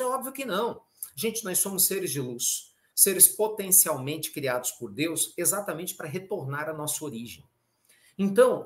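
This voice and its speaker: A man with a Brazilian Portuguese accent giving a spiritist talk to a live audience, conversational and full of rhetorical questions. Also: on the high side. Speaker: spiritual speaker.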